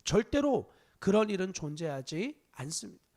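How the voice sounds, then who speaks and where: A male pastor preaching a Wednesday service sermon to his congregation, stressing points loudly, dropping to hushed asides, and asking rhetorical questions. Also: high-pitched, sing-song, moderate pace. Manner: emphatic preaching, swinging between loud stress and hushed asides. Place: church sanctuary.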